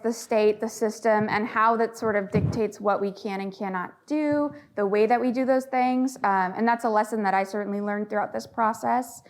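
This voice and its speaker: A woman leading a conference session, explaining prevention concepts in a friendly, measured way with frequent ums, speaking into a microphone in a conference room. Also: on the high side. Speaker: workshop facilitator.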